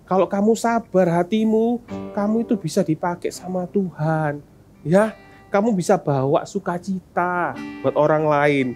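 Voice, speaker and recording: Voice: mid-range voice, unhurried, faint music behind. A children's ministry teacher giving a sermon, often asking the kids questions. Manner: animated, asks kids questions.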